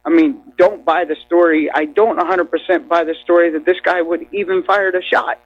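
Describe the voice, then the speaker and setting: A man calling into a radio show, talking excitedly with many stumbling restarts. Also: fairly high pitch, brisk, dull audio. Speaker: caller. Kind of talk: phoned-in radio call.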